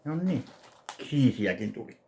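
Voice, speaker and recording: A man in his thirties from Finland, casually narrating an unboxing of a fan package in his home kitchen, speaking slowly and haltingly to a webcam. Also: mid-range voice, big pitch swings, background noise. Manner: slow, halting, listing items one by one. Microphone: webcam at desk distance.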